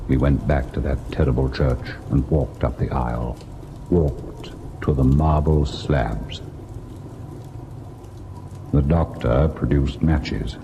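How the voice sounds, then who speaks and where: Radio ghost drama: haunted husband, grave storyteller, very deep, slow delivery, noisy old recording. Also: male voice, lo-fi sound. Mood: grave, uneasy. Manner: grave, measured, deliberate storytelling. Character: haunted husband Harry, recalling and reliving a ghostly horror. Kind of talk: old-time radio ghost story acting, narrating and in scene.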